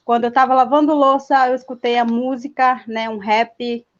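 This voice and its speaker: A young woman rapper from Mato Grosso do Sul, whose first language is Guarani, speaks seated in a live stream. She talks slowly and hesitantly, with many fillers. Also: a little high, level tone. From Mato Grosso do Sul, Brazil. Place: indoors, seated. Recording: dull lo-fi sound.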